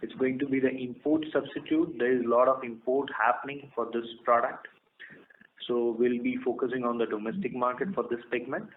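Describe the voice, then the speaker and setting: An Indian man, a company executive, giving formal, measured answers to investors on a conference call. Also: mid-range voice, steady tone. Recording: muffled phone line with clear noise.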